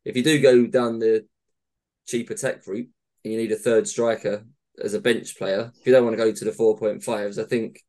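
A man's voice: on the low side, flat delivery, moderate pace, dark tone. A man co-hosting a casual football podcast, steadily laying out options. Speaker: podcast co-host.

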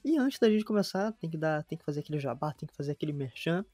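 A man's voice: a little high, animated, fast talker, darkish tone, no room sound. A man of twenty, hosting a podcast in a chatty, slangy way and reading a promo with energy. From Brazil. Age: 20s. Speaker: podcast host.

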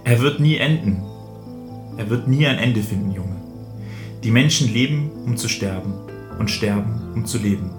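A man reading aloud the lines of a mysterious, fatalistic disembodied voice in a short story, speaking in calm, solemn statements. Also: medium pitch, moderate pace, roomy sound, music in the background, close to an everyday voice.

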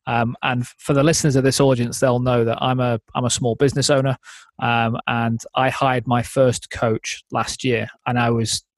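A man's voice: medium pitch, no room sound. A man in his thirties hosting a casual interview podcast, chatty and eager with his questions. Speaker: podcast host.

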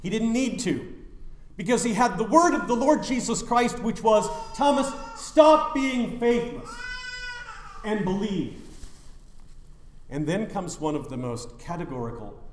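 A man's voice: high-pitched, a little slow, slight background noise. Man preaching with roomy church echo. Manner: animated, emphatic preaching with sudden drops to quiet. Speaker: pastor. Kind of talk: sermon.

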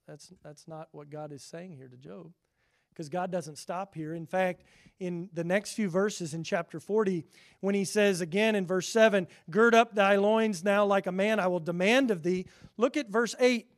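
High-voiced man preaching a sermon. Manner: earnest preaching, rising loud on scripture, dropping quiet for asides. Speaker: pastor.

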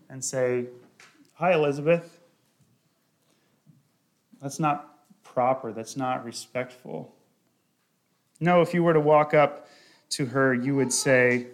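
Working through a Bible passage with deliberate care, a male preacher lifts his voice on the scripture he quotes. His voice sits in the middle range.

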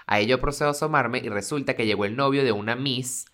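A Venezuelan man co-hosting a podcast, telling gossip stories in a playful, animated way. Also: medium pitch, fast. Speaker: podcast co-host. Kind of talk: casual gossip chat.

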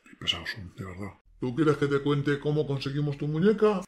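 A man's voice: fairly high pitch, very animated, fairly quick, a little mellow. A man playing a sinister yet doting father who tells twisted bedtime stories in an audio drama, wry and grumbling. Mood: indulgent, grumbling. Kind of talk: audio fiction acting.

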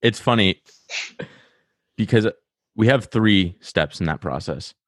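A man's voice: lowish voice, animated, slow pace, fairly bright tone, no room sound, studio quality. A man with a Rhode Island accent, talking eagerly and at length on a podcast, often restarting his sentences. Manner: talkative, enthusiastic, self-interrupting. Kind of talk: casual podcast chat.

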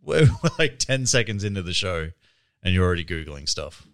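A man's voice: deep voice, big pitch swings, brisk, dry recording, studio quality. A man co-hosting a podcast, teasing dryly and laughing often. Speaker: podcast co-host. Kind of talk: casual chat.

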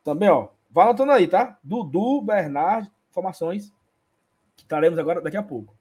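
A husky, high-pitched man hosts a casual live fan show. He reads viewer comments aloud in a playful, chatty way, greeting each one. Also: expressive, normal speed, darkish tone. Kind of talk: casual live-stream chat.

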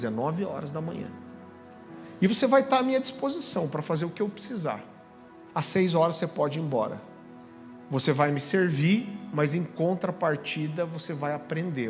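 A young adult man from Brazil preaching a sermon, telling a story in a lively, slangy way with asides to the crowd. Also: high voice. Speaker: pastor. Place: church hall. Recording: music under voice in a reverberant hall.

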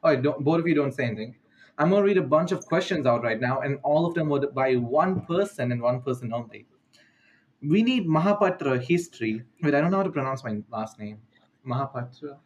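A man's voice: mid-range voice, expressive, brisk, low-quality recording. A teenage boy from the Maldives hosting a casual chat, rambling and correcting himself as he reads out questions. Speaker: podcast host.

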